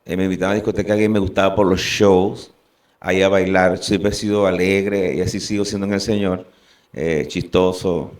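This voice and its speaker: Low-voiced man sharing testimony. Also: flat delivery, darkish tone, distant mic. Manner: earnest, halting, with restarts. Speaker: guest giving testimony. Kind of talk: emotional personal testimony.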